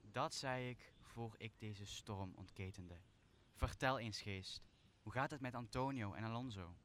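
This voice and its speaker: A student actor playing a solemn, wronged sorcerer who turns to forgiveness in a Shakespearean radio play, with deliberate, declamatory delivery. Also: male voice, fairly low pitch, a bit bright, slight background noise. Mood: solemn, resolved.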